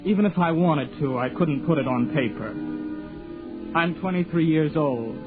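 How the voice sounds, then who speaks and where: A man's voice: on the high side, moderate pace, lightly acted. An actor in his twenties playing a young disabled man confined to a window, speaking a wistful inner monologue in 1940s radio acting. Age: 20s. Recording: tinny lo-fi 1940s radio broadcast over music.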